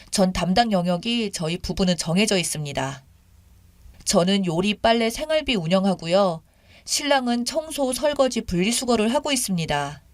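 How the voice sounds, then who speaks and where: A woman's voice: mid-range voice, no echo. A woman in her thirties reading a first-person story in an indignant, conversational, complaining way.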